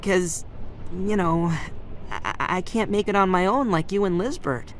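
A man voicing a timid, earnest, excitable little furry creature in a cartoon video game, stammering and gushing. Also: high voice, moderate pace, slight background noise, lightly acted. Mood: earnest, gentle. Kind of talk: animated video game character acting.

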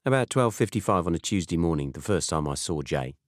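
A British man reading a first-person novel as an audiobook narrator, in a dry, measured manner. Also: sits low, animated, no room sound.

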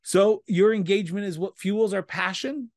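Canadian podcast host, dry close studio mic. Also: male voice, sits high, moderate pace, a little mellow, dry recording. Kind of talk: podcast interview and outro. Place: small studio indoors. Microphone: studio mic on stand with headphones.

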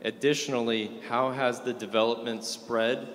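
A man's voice: mid-range voice, steady tone, moderate pace, fairly bright tone, slight background noise. A young man moderating a conference panel, giving formal introductions and questions. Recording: reverberant conference hall.

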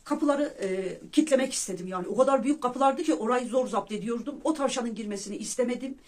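Quick, earnest vlogger recounting personal spiritual experiences straight to camera. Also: mid-range voice. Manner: earnest, keeps addressing listeners as friends; tells about dreams and visions in a devout tone. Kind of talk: casual personal storytelling to viewers.

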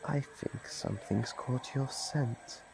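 A man's voice: medium pitch, takes it slowly, creaky, noisy background. A man voicing a gleefully predatory monster from under the bed in an ASMR horror roleplay, mockingly polite and menacing. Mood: gleeful, excited.

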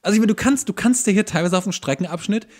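A man with a slightly high voice co-hosts a casual comedy podcast. He rants conversationally, mixing exasperation with dry sarcasm. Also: very fast, a little mellow. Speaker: podcast host.

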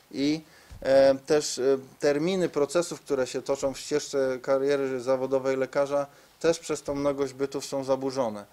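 Man in his thirties, medium pitch, monotone delivery, formal press conference style, hesitant pauses. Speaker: medical reform spokesman. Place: conference room, seated at a table before a screen. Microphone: press microphones on the table.

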